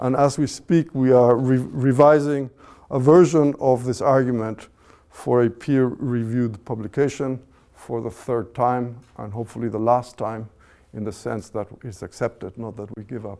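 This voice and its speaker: Speaking at a moderate pace, a man has a dark, mellow tone, ordinary pitch variation and big swings in loudness. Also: medium pitch for a man. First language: Spanish. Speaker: academic researcher. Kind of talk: lecture. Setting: stage with audience.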